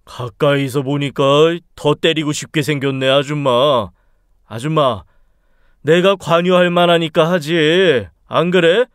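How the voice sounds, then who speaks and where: A man voicing a menacing young thug who bullies and shouts threats in an audiobook story. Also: a little high, measured pace, clean tone, dry recording, clean studio sound, close to an everyday voice. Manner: sneering, bullying, shouts threats.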